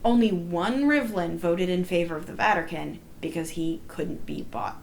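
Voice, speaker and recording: A woman's voice: fairly low pitch, normal speed, gravelly. Emphatic woman storyteller, noisy background. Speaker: player recounting a live-action roleplay game. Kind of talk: animated storytelling in a group discussion. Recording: noticeable background noise.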